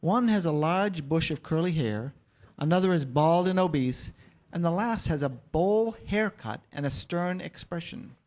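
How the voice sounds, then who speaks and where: A man's voice: fairly high pitch, lively intonation, measured pace, darkish tone. A man reading out stage directions as the narrator of a staged comedy reading.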